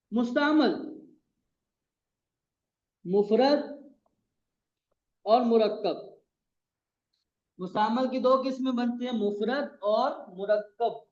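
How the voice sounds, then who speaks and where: A man with a Pakistani Urdu accent giving a classroom grammar lecture, repeating terms and spelling them out letter by letter. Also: extremely high pitch. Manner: repetitive, spells out words letter by letter. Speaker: Arabic grammar teacher. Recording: echoey room, dull lo-fi sound.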